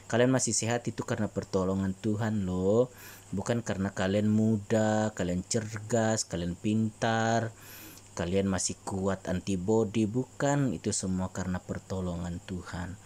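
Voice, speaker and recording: Man, teacher to kids, lowish voice, repetitive coaxing, frequent throat clearing. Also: darkish tone. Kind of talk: classroom lesson for children.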